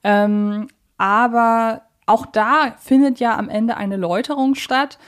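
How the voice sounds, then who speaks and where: A woman's voice: on the high side, steady tone, takes it slowly, clean tone. Reflective woman podcaster. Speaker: podcast co-host. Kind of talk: casual conversational podcast discussion.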